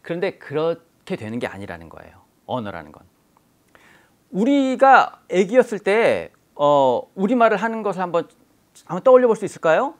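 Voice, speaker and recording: Male lecturer, fairly high voice, patient and explanatory. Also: huge pitch swings, moderate pace. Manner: explanatory, poses rhetorical questions. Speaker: language teacher. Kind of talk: exam-prep lecture.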